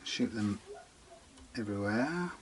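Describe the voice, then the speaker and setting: A man talking casually through a guitar setup in his workshop, rambling and chatty, muttering quietly as he works. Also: lowish voice, expressive, slow, vocal fry, slight background noise. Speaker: guitar repair demonstrator. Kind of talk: casual workshop how-to talk.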